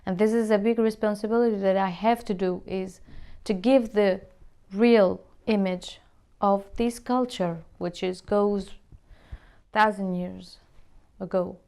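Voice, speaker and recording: A woman's voice: mid-range voice, fairly even intonation, measured pace, creaky, mellow, clear, resonant tone. A woman from Syria, a musician, speaking English in an earnest interview and searching for words as she talks. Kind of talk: interview answers to camera.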